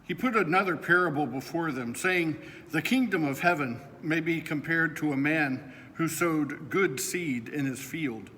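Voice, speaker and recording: A middle-aged pastor reading the gospel in a steady, clear liturgical manner in a church. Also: male voice, on the high side, measured pace, few pauses. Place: church sanctuary, indoors. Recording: echoing church with faint noise.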